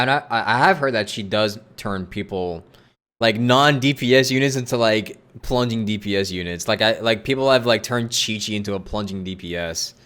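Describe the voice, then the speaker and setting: A man's voice: on the low side, fairly bright tone. A man livestreaming a game, talking casually and thinking aloud, often repeating his phrases as he rambles. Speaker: live game streamer. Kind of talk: casual livestream chat while playing a game. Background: game music.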